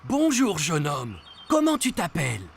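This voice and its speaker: An actor playing a friendly, kindly male school bus driver in a children's cartoon, with a jovial manner and a husky voice. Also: medium pitch, wildly swooping pitch, measured pace, slight background noise, exaggerated voice.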